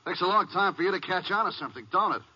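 A cocky jailbird gang leader with a very sharp, raspy voice. He taunts insolently in rough folksy grammar, in 1950s western radio style. The recording is dull and old. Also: high voice, expressive, very fast, full character voice.

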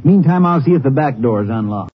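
A man's voice: medium pitch, animated, fairly quick, close to an everyday voice. A man acting as an eager, folksy county sheriff in a 1950s radio drama. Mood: eager, businesslike. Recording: noisy, muffled 1950s radio recording.

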